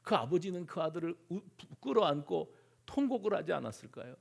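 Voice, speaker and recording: Male pastor, high voice, dramatic sermon delivery, acts out quotes, loud to hushed. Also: sing-song, fairly quick, creaky.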